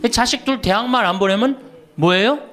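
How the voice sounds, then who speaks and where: A man's voice: very high-pitched, fairly quick. A middle-aged man, a Catholic priest, giving a humorous lecture, telling stories and teasing the audience with questions. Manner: animated storyteller, teasing questions to the audience, laughs often.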